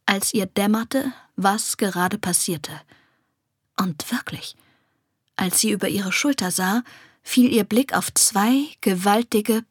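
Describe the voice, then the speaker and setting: A woman narrating a children's fantasy story softly and expressively, often dropping to a whisper. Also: mid-range voice, slightly rough, no room sound, studio quality. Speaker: audiobook narrator.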